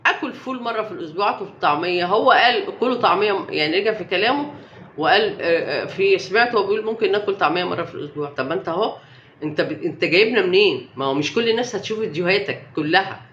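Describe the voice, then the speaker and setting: A woman's voice: fairly low pitch, lively intonation, racing, a bit bright, roomy sound, dull audio, slight background noise. A young Egyptian woman vlogging live about health, speaking emphatically and defiantly and piling up rhetorical questions. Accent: Egyptian Arabic. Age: young adult. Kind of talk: casual live-stream talk.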